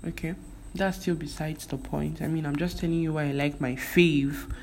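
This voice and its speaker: In a casual vlog, a young Nigerian woman with a Nigerian accent, whose mother tongue is Igbo, keeps using fillers and restarting. Her voice is deep and darkish, steady in tone, at a normal speed, over faint background noise.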